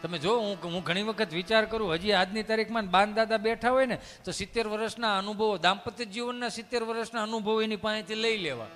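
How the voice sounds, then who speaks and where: A man's voice: high voice, fairly bright tone, big-room sound. A man with a Kathiawadi Gujarati accent telling folksy comic stories on stage, chatty and acting out the dialogue. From Dhari area, Saurashtra, Gujarat. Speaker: stand-up comic storyteller. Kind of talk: live comic storytelling on stage.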